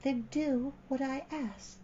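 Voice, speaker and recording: A man voicing a serene, resolute childlike empress from a fairy-tale storybook, in a soft, light, hushed voice with calm, measured delivery. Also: very high-pitched, dull audio, pitched above the performer's own voice. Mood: soft, firm.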